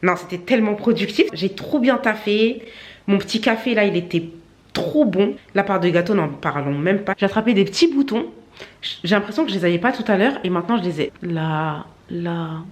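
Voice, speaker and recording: A young woman vlogs at home indoors, chatting with her viewers into a handheld phone. Her mid-range, slightly mellow voice is animated and moderately paced, and her talk is upbeat, chatty, and full of slang.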